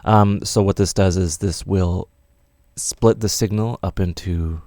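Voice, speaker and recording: A man's voice: deep voice, fairly even intonation, a little slow. A man teaching music production in a casual, rambling tutorial with many fillers.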